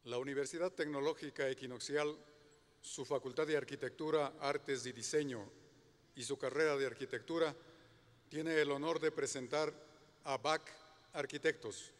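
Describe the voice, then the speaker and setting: A man's voice: medium pitch, fairly even intonation, moderate pace. A man formally reading a prepared introduction of guest speakers on behalf of a university. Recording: long hall reverb.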